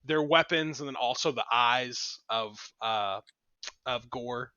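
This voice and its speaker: A man's voice: medium pitch, slow, pushed and bright, clear, resonant tone, no room sound, dull audio. A man co-hosting a casual film review podcast, chatting in a joking, teasing way. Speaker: podcast co-host.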